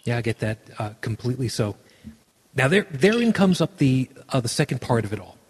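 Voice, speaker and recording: A man hosting a podcast, chatting in a relaxed, agreeable way with stammering restarts. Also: mid-range voice, a little fast, a little hiss or hum. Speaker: podcast host. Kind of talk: casual conversation. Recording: husky voice in a reverberant room.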